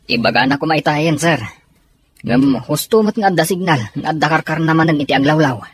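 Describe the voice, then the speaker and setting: A man's voice: on the high side, a little fast, husky, no room sound. A man playing an earnest, deferential soldier in a serial drama, speaking in a conversational, explanatory way. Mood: respectful. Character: earnest soldier, deferential, reasoning with his comrade. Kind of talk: Ilocano serial drama acting.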